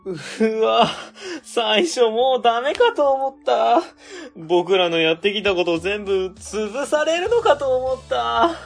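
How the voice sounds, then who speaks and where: A woman's voice: fairly high pitch, expressive, slow pace, gravelly, few pauses, soft background music, full character voice. A woman playing a timid, good-natured young male office worker, hesitant and wide-eyed, in an amateur radio drama. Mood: relieved, wondering.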